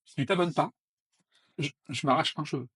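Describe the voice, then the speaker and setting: A man's voice: on the high side, fairly bright tone, husky. A man co-hosting a casual board game review chat, joking and teasing his co-host. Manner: joking, teasing, fast-talking.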